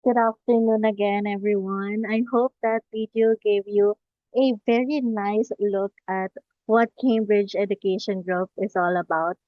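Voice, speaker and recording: A woman's voice: medium pitch, steady tone, unhurried. A woman hosting an online webinar in a polite, formal manner. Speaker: webinar host. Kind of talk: formal webinar introduction and chat. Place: indoors on an online video call. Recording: muffled, roomy online call audio.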